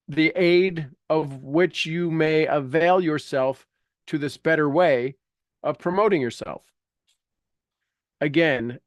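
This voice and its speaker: A man's voice: a little high, dry recording, clean studio sound. A man leading a coaching class in an informal, blunt and prodding way, with folksy turns of phrase. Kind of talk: informal coaching talk mixed with reading aloud from a book.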